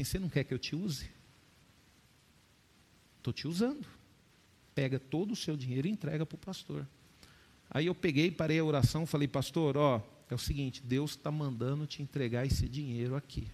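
A male preacher telling a testimony in a sermon, addressing the congregation as dear ones and building to emphatic peaks. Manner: storytelling, addresses the listeners as "dear ones" again and again; rises to high, loud emphatic peaks in his preaching.

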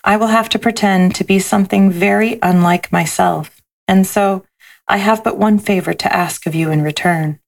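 A woman reading aloud and voicing a gentle, wise and loving soul who speaks in a tender, reassuring way. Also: mid-range voice, steady tone, moderate pace, creaky, close to an everyday voice. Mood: serious.

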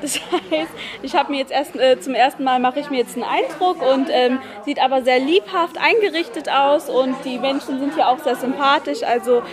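A woman's voice: sits high, normal speed. A woman visiting a café for the first time, giving a chatty and curious interview answer. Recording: crowded room chatter.

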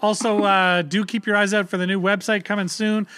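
A Canadian man in his thirties co-hosts a parenting podcast, chatting casually and rambling with loose swearing and plenty of fillers. His high-sitting voice is brisk and sharp yet clear and resonant, with a flat delivery.

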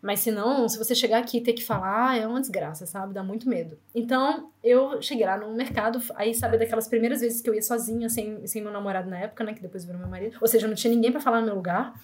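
A Brazilian woman in her thirties with a Brazilian Portuguese accent, telling lively anecdotes fast in an interview. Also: fairly high pitch. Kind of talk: casual storytelling.

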